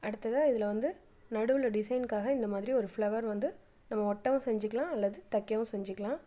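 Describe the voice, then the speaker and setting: A woman's voice: a little high, a little fast, mellow. A middle-aged woman, narrating a step-by-step sewing tutorial with plain, patient instructions. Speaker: craft channel host.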